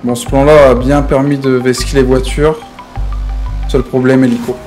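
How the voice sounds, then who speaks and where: A man's voice: medium pitch, little pitch movement, moderate pace, music in the background. A man streaming an online roleplay game, talking in casual, slangy improvised chat with frequent swearing and repeated pet phrases. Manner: repeats verbal tics, swears freely.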